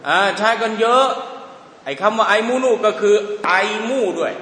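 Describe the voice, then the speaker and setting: A male teacher with a bright, fairly high voice lectures in a large room, where his words ring out with a long, roomy reverb. He spells out sounds piece by piece and keeps asking his listeners quick questions. A faint hum of background noise sits behind him. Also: animated. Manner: checks understanding with quick rhetorical questions. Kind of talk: classroom lecture.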